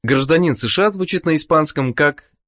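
A narrator giving calm, instructive prompts to learners in a language course. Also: mid-range voice, fairly quick.

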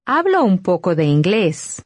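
A woman modeling short phrases in a language course, saying them slowly and distinctly for learners to repeat. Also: lowish voice, big pitch swings, a little mellow, no room sound, studio quality. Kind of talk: slow, careful phrase repetition.

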